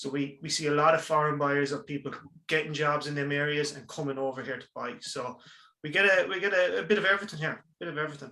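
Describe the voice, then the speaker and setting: A man in an Irish accent, fairly high-pitched, at a very fast pace, with big swings in loudness. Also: ordinary pitch variation. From Ireland, Galway. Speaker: real estate agent. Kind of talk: interview. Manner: halting.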